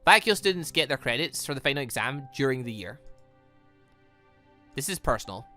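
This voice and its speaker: A man voicing a serious, guarded young female hunter in a visual novel, measured and matter-of-fact. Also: medium pitch, expressive, pushed and bright, soft background music. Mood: serious, subdued. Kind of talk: visual novel dialogue reading.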